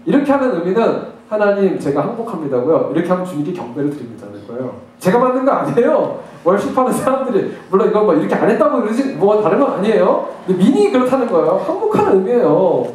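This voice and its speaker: A man preaching a sermon as pastor, animated and acting out prayers in an excited voice, recorded in a church. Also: high voice, fast, few pauses, a little hiss or hum. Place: church sanctuary. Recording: echoey church hall, mic at distance.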